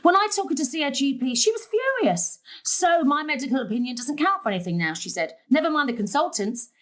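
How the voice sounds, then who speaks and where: A woman's voice: sits high, very animated, a little fast. A woman acting a harried middle-aged mother and carer in a stage drama, exasperated, emphatic and snappy. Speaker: stage actor. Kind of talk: dramatic dialogue in a play.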